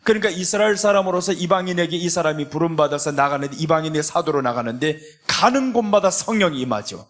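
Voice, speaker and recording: A man's voice: a little high, lively intonation, fast, hardly any pauses, fairly bright tone. A man preaching a sermon as a pastor, speaking emphatically and acting out the lines of biblical characters in quoted voices. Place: church sanctuary.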